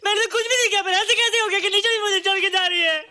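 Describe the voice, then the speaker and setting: An actor playing an innocent, childlike young man who pleads and cries in a high, strained voice. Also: fairly even intonation, racing, over music. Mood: sobbing. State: crying. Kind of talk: Hindi film dialogue.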